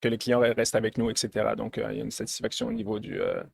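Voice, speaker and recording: A man's voice: on the low side, steady tone, gravelly. A man from France with a mixed French and Québécois accent, a guest answering interview questions, with lots of fillers and restarts. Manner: fast, filler-heavy, many restarts. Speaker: sales director, guest.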